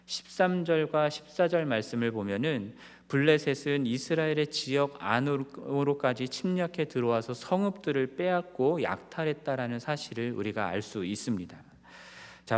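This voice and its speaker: Male pastor preaching in a reverberant hall. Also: mid-range voice. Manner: measured preaching with rhetorical questions and frequent "eo" fillers. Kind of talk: sermon. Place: church sanctuary. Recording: long church hall reverb.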